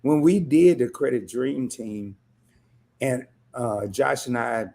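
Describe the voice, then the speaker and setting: A hoarse man who has nearly lost his voice, chatting on a livestream as a co-host and turning rousing and emphatic, repeating himself as he gets worked up. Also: mid-range voice, takes it slowly, dark tone. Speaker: fellow credit YouTuber and co-host. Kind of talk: casual livestream chat.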